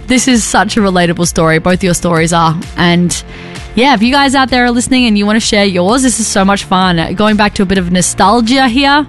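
Young Australian woman, radio host, husky and chatty, light music bed behind. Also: mid-range voice, brisk. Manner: chatty, rambling, enthusiastic. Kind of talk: casual on-air chat. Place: radio studio.

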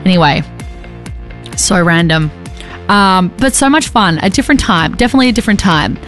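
Young Australian woman, radio host, husky and chatty, light music bed behind. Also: medium pitch, brisk, fairly bright tone. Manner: chatty, rambling, enthusiastic. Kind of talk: casual on-air chat. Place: radio studio.

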